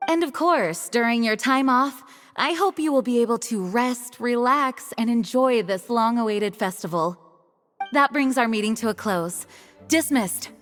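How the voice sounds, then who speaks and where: Calm formal knight leader, slightly high voice, faint game music. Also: female voice, a little slow. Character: composed female acting leader of a knightly order. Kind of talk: game voice acting.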